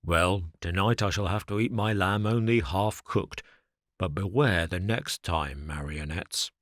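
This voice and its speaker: A big bearded showman, as a man puts him on, gruff and low but with a soft heart. He speaks slowly from a close, dry recording for a storybook. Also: dry recording. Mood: grumbling. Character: huge gruff bearded puppet master, softened.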